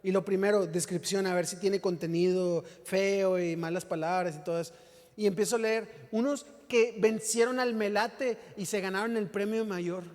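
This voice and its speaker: High-voiced pastor in a reverberant church. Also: male voice, steady tone, moderate pace, darkish tone. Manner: jokes and asks the congregation questions. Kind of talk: humorous conversational sermon. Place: church hall. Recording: church hall with long reverb.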